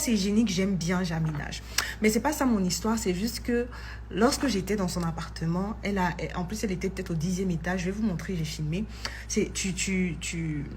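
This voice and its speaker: A woman's voice: fairly low pitch, slight background noise. A woman who tells a personal faith testimony in a chatty vlog, dropping in English phrases. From Ivory Coast. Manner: chatty, mixes in English phrases, grows excited. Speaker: vlogger.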